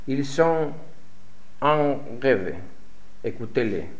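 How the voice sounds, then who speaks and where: A man reading a presenter's script aloud in a language lesson, haltingly, as a student. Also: mid-range voice, big pitch swings.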